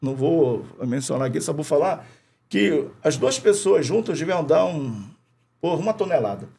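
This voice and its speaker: A middle-aged man from Rio de Janeiro with a Carioca accent, telling animated anecdotes full of slang, swearing and laughter as a podcast guest. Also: a little high, normal speed, gravelly, a little hiss or hum. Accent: Carioca Portuguese. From Rio de Janeiro, Brazil. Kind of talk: casual chat, storytelling. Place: podcast studio.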